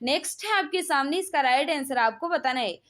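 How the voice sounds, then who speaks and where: A woman teaching a live exam-prep quiz class, reading out questions and confirming answers with brisk, repeated set phrases. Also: sits high, expressive, fairly bright tone.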